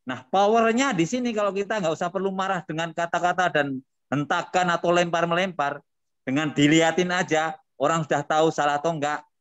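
An older man speaking at a seminar over a video call, casual talk with lively storytelling. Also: a little high, fairly quick, no room sound, lo-fi sound. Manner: lively storytelling with acted quotes.

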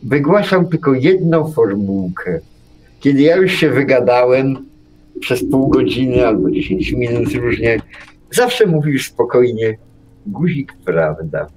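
A man's voice: medium pitch, lively intonation, unhurried, darkish tone, husky, poor audio. Middle-aged man chatting wryly. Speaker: radio show speaker. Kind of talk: casual chat.

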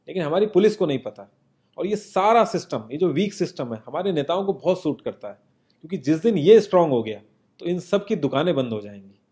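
A man's voice: a little high, mellow. A young man gives an earnest, informal monologue to camera, seated in an indoor studio. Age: young adult. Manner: earnest, informal, addresses the viewer as "yaar". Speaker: social commentary presenter.

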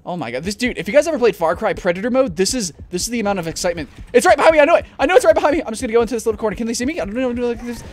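A man's voice: very high voice, animated, rapid-fire, hardly any pauses. Jumpy young man commentating gameplay. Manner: jumpy, swears, frequent panicked shouts. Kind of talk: let's play commentary.

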